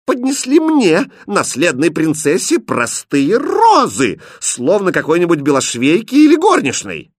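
A man voicing a haughty, spoiled young princess in a fairy tale, shrill and scornful. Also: wildly swooping pitch, unhurried, few pauses, no room sound, studio quality, full character voice. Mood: indignant.

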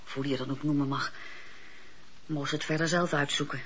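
An actress playing a sensible, doubtful woman in a Dutch radio drama, with a husky voice. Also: low-pitched, steady tone, normal speed, a bit bright, slight background noise. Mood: resigned. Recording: dull lo-fi radio play recording.

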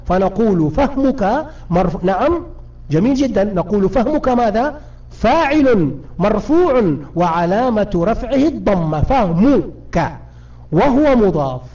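A man's voice: high-pitched, dark tone. A man teaching Arabic grammar in a live online lesson, patiently quizzing his students and often restarting or repeating words. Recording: muffled distant voice, lo-fi.

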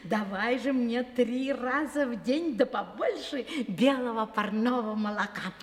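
An actress voicing a proud, independent female cat who teases with drawn-out meows, in a vintage studio radio play. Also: a little high, in a large hall, natural voice. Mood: sly. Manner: purring, teasing, drawn-out meows.

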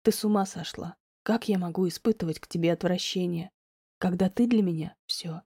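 Woman doing a young man, low, hushed, coaxing, mellow, dry close sound. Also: brisk, breathy edge, no room sound. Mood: gentle. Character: tender, insistent young man.

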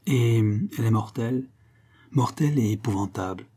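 A man voicing a scheming young gypsy woman in a novel reading, speaking in a low, hushed, mocking way. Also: moderate pace, natural voice.

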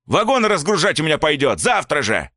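A man playing a furious shouting father. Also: huge pitch swings, brisk, no echo, studio quality, heavily acted. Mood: enraged. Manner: shouting, scolding, high and strained. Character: furious middle-aged father, loud and coarse.

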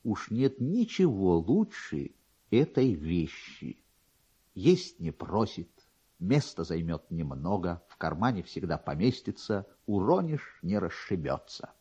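A man voicing a sleepy, self-satisfied male police officer with slow, savoring delivery, in a dramatic literary reading. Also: low voice, big pitch swings, dark tone, husky, lo-fi sound, pitched below the performer's own voice, full character voice. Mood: smug, savoring. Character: sleepy, smug male police officer who loves money and naps.

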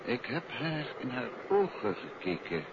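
An actor playing an assured gentleman detective and teasing husband, emphatic and measured, in a 1950s Dutch radio drama. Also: medium pitch, very animated. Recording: muffled, noisy 1950s radio recording.

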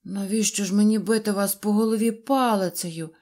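A woman voicing a naive, lively little fairy-tale boy who exclaims in surprise. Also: high voice, brisk, natural voice. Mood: surprised.

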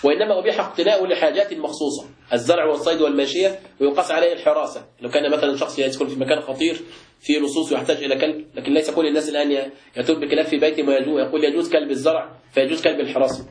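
شيخ سريع الكلام بلهجة مصرية في قاعة درس. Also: male voice, on the high side, steady tone, racing, darkish tone, echoey room. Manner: explains by asking the class and answering himself. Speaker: sheikh teaching a book class. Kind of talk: classroom lecture with questions.

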